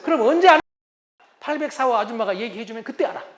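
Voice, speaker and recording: Brief: male lecturer, very high for a man, lively storytelling delivery in a comedic talk. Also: fast talker, heavy background noise. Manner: animated, acts out spouses' lines. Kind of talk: humorous lecture.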